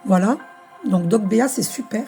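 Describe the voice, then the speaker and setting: Over soft background music, a woman hosts her own spiritual channel, reading oracle cards and talking casually to camera in a medium-pitched, dark-toned voice at a moderate pace. She rambles and searches for words, with many fillers.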